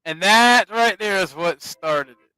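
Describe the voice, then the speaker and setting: A man with a Southern US accent, hosting a stream and reacting to a clip with animated, profane, mocking commentary. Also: high voice, unhurried, clear, resonant tone, no echo, soft background music, poor audio. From American South. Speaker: streamer host.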